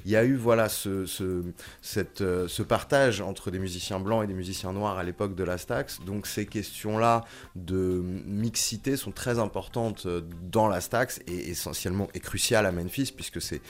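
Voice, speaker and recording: A documentary director speaking in an interview excerpt, thoughtful and hesitant with frequent restarts. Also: male voice, sits low, moderate pace.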